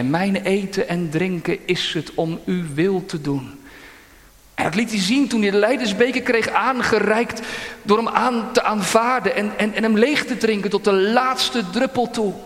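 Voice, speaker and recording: A male preacher in a church delivers his sermon very slowly, with drawn-out pauses and dramatic whispers. His voice sits a little high and rings in a long hall reverb. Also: a bit bright.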